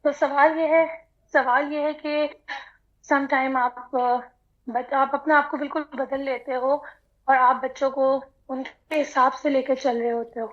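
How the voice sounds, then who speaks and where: A woman's voice: high-pitched, little pitch movement, highs cut off. A woman caller asking an earnest, polite question over a remote line.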